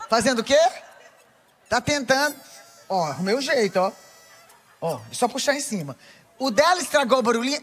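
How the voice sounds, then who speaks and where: A woman with a Brazilian Portuguese accent preaching a lively sermon to a women's audience, playful and teasing, speaking straight to the crowd. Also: high voice.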